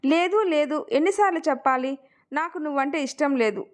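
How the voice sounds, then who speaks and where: A proud young heroine snaps back in sharp, emphatic lines, voiced by the woman narrating. Her voice is high and clear. She is fierce on the surface and heartbroken underneath. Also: brisk, lightly acted. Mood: angry.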